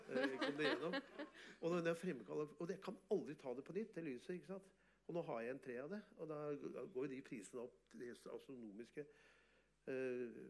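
Guy, artist, bragging about his work, lots of energy and laughing. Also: medium pitch. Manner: animated, boastful, bursts of laughter. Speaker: artist and photographer guest. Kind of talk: casual storytelling interview.

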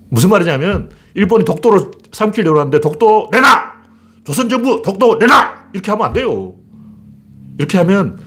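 Male political commentator, husky, lively delivery, lecture-style monologue with mock shouted asides. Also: a little high. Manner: animated, acts out shouted orders in mock voices.

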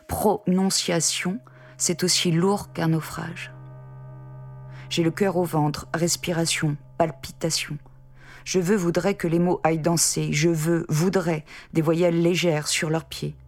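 A woman narrating her own poetry in a measured, lyrical spoken-word delivery. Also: low voice, flat delivery, darkish tone, soft background music. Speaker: poet narrator.

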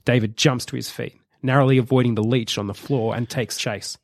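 A male podcast host narrating a comedic film pitch in a vivid, measured storytelling way. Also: fairly even intonation, vocal fry, no echo. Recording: dry close sound.

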